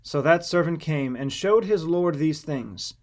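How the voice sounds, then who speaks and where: A man reads as a scripture audiobook narrator. His voice sits slightly high, and his delivery is solemn and deliberate. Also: a little mellow.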